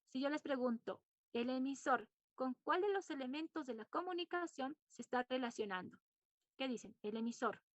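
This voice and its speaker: Woman teacher lecturing her class, repeats stuff and quizzes them, kinda high voice, dull dry sound. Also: no room sound. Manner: explains patiently, repeats points and quizzes students.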